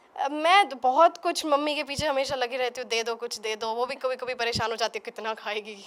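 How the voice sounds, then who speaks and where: A woman's high-pitched voice at a moderate pace, with ordinary pitch variation and hardly any pauses. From Haryana, India. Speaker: multilingual accent performer. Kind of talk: interview answer.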